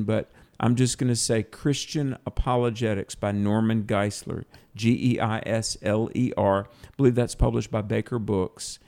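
Male evangelical radio co-host, medium-pitched voice, call-in talk. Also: dark tone. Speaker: radio co-host, Christian author.

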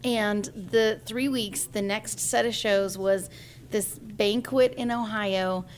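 A woman in her forties, a singer, tells a personal story during an interview, acting out the voices of the people she quotes like a lively storyteller. Her voice sits in the mid-range and moves at a slow pace, with a little hiss or hum in the background.

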